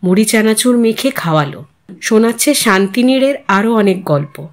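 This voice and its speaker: A woman reading a literary short story aloud as an expressive narrator and host. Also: a little high, moderate pace.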